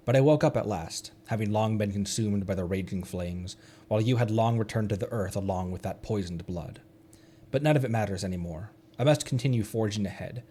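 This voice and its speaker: A man voicing a grieving, fiercely resolute figure from fantasy game lore in a solemn, poetic, measured recitation. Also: fairly low pitch, mellow, slight background noise, close to an everyday voice. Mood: mournful. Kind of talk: dramatic reading of game lore.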